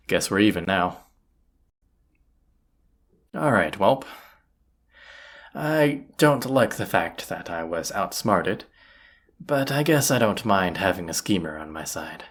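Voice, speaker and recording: An actor playing a gruff, teasing bandit leader in a roleplay audio drama, with a husky voice and a sardonic, folksy drawl. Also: sits low, very animated, takes it slowly, pauses often, heavily acted. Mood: puzzled, humbled.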